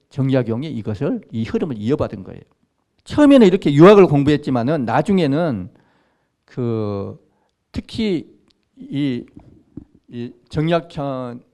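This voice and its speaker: Older man lecturing, lively and mellow. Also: mid-range voice. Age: 60s. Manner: conversational, asks the audience questions. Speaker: Jesuit priest lecturer. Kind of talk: informal history lecture. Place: lecture room.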